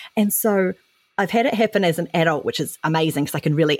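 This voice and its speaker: Speaking very fast, a woman with a New Zealand accent has fairly low pitch. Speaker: author and public speaker. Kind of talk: interview. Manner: fast talker.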